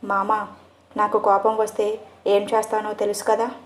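A woman's voice: medium pitch, completely flat delivery, unhurried, lightly acted. A woman narrator voicing a playful, teasing young woman who speaks in theatrical, mock-dramatic lines. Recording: echoey room.

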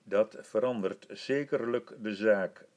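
A man reading an audiobook, voicing a gracious, commanding older emperor who speaks in a formal, measured way. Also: on the low side, a little mellow. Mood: stately.

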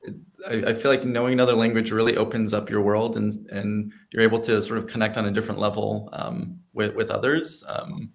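A man in his thirties, a guest on a video call, telling his career story in a relaxed way with many ums and restarts. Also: fairly low pitch, fairly quick, vocal fry. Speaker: guest speaker, creative leader. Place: home office with bookshelves, virtual background.

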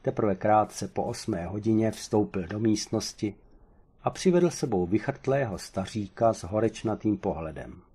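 A man reading a humorous short story aloud in the first person, with an even, wry storytelling manner. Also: lowish voice, breathy edge. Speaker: audiobook reader.

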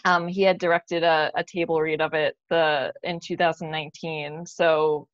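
A woman's voice: low-pitched, flat delivery, moderate pace, dry recording, muffled recording. A young woman speaking as a guest in an informal, candid, conversational way over a video call. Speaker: playwright, guest. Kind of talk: casual conversational explanation. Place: living room at home. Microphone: computer mic on a video call.

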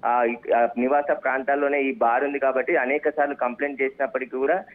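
Guy reporter calling in, phone-line sound, kinda rambly with lots of uh pauses. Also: medium pitch, steady tone. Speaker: field reporter.

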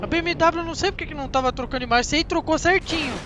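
A young man with a Brazilian Portuguese accent giving chatty, excitable commentary on a driving game straight to his viewers. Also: very high voice, very fast, noisy background. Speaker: gaming channel host. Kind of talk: casual gameplay commentary.

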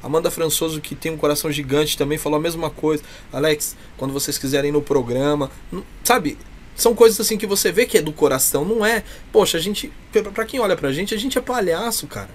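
On the high side and talking fast, this Brazilian-accented man is a clown appearing as an interview guest. He's effusive and chatty, speaking casually in a small indoor room with a cloth backdrop, against slight background noise.

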